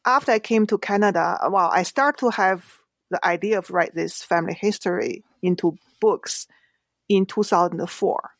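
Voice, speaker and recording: A woman's voice: medium pitch, normal speed, gravelly, no echo. Woman with a Chinese accent, dry sound. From China. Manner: earnest, explains with examples, non-native grammar. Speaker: author guest. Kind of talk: podcast interview.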